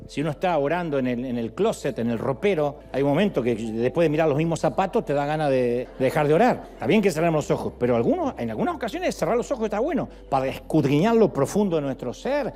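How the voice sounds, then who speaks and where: Lively, high-voiced preacher. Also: male voice, fast. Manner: animated, acts out voices and jokes with the congregation. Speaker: pastor. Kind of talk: sermon.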